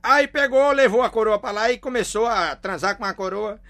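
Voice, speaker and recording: A middle-aged man with a Northeastern Brazilian accent telling crude jokes in a lively, slangy style. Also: high-pitched, normal speed. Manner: lively storyteller, slangy, laughs at own punchlines, acts out squealing women. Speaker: joke teller.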